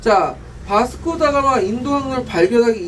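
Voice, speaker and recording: The pace is moderate. Noticeable background noise is present throughout. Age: 30s. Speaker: history exam lecturer. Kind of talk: lecture.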